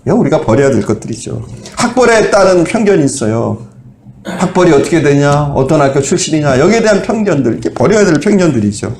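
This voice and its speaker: A man's voice: on the high side, darkish tone, echoey room. A male pastor preaching a sermon in a conversational way, putting rhetorical questions to the congregation and listing examples in short phrases. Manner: lists items one by one in short phrases. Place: church sanctuary.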